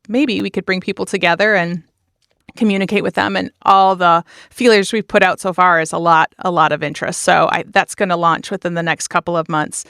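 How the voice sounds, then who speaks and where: A woman's voice: fairly low pitch, a bit bright, smooth, no echo, studio quality. A woman podcast creator answering interview questions in a conversational, plain-spoken, explanatory way. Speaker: podcast creator being interviewed, meditation teacher.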